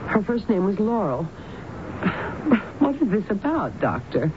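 Uneasy radio-drama patient, muffled noisy recording. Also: female voice, sing-song, a little slow. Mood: anxious, demanding. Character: puzzled, uneasy married woman under a doctor's questioning. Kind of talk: 1970s radio drama acting. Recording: dull, noisy 1970s radio recording with rumble.

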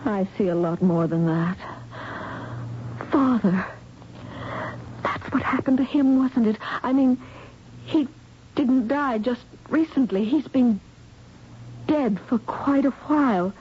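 A woman's voice: on the high side, lively intonation, slow, long pauses. An actress playing a shaken but determined heroine in a 1970s radio drama, emotional in her delivery. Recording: muffled noisy old radio recording.

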